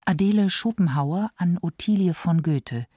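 A woman's voice: on the low side, moderate pace, warm tone, no room sound, clean studio sound. A woman giving scripted announcements of letters as a narrator.

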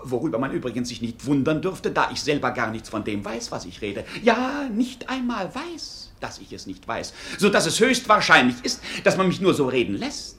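A man's voice: fairly high pitch, very animated, moderate pace, few pauses, bright, forceful tone. An actor playing a whimsical, rambling male court fool who talks like a mock-grandiose showman in a theatrical radio play. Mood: rambling, playful.

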